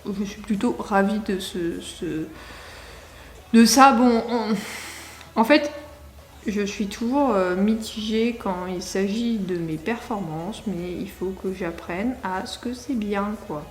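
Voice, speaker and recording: A woman's voice: mid-range voice, slow pace, echoey room. A young French woman with a French accent, rambling through a casual book vlog with lots of fillers and restarts. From France. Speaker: book vlogger.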